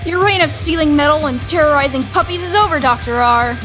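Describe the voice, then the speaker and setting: A woman's voice: sits high, fairly quick, close to an everyday voice, poor audio. A woman voicing a spirited, brave young animal superhero in a cartoon, earnest and emphatic. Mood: commanding. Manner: emphatic, exclamatory. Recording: music behind the voice.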